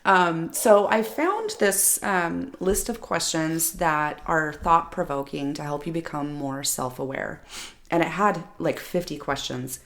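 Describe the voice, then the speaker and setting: Hoarse, raspy middle-aged woman co-host. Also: low voice, measured pace, fairly bright tone. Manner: rambling, filler-heavy, winging it. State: hoarse from a bug. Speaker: podcast co-host. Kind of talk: casual chat.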